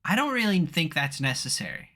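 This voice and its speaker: Bright-voiced man commenting as he plays. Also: on the high side, big pitch swings, a little fast. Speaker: gaming co-host playing the game. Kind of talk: casual gameplay commentary.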